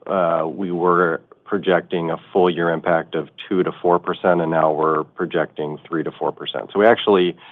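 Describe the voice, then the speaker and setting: A man working as a finance chief, answering earnings call questions in a halting way, often rephrasing. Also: low voice. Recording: muffled narrowband conference phone line.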